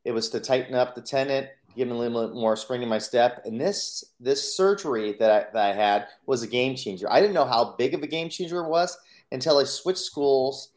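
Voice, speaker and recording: A man's voice: mid-range voice, a little fast, a little mellow. Earnest man telling his life story. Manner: earnest, acts out his own inner voice in quotes. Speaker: podcast guest. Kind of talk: personal storytelling.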